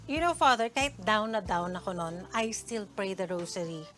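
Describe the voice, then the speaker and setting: A middle-aged woman chatting casually as a guest, an animated storyteller who laughs often and slips English phrases into her talk. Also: medium pitch, normal speed. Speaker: guest sharing a testimony while cooking. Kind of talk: casual chat. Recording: music playing under the talk.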